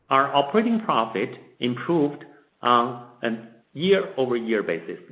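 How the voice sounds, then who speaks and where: A man presenting as a company executive, reading a scripted corporate statement in formal, measured short phrases on a conference call. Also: medium pitch. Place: conference call in a roomy space. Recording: dull, echoey conference-call audio.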